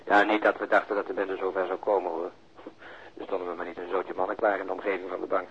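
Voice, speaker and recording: An actor playing a blunt, talkative police colleague complaining on the telephone in a radio drama. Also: male voice, sits low, flat delivery, quick pace. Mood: wry, recounting. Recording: muffled, noisy telephone-scene radio recording.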